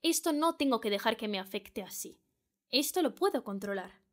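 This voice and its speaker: A young woman with a Spain Spanish accent talks through a solo advice podcast, her voice sitting a little on the high side. She is earnest and direct, often repeating a phrase two or three times to drive it home. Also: expressive, normal speed, a bit bright. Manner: earnest, repeats phrases for emphasis, speaks straight to the listener. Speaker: podcast host.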